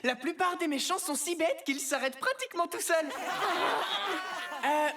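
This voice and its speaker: A woman's voice: very high voice, lively intonation, moderate pace, very noisy. A woman playing a cocky, self-centred young superhero in a French cartoon dub, breezy and boastful. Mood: showy, boastful. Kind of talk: French-dubbed animated cartoon acting.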